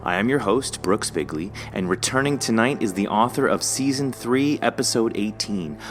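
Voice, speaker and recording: Low-voiced man hosting a casual podcast. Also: lively intonation, moderate pace, soft background music. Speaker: podcast host. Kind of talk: casual interview chat.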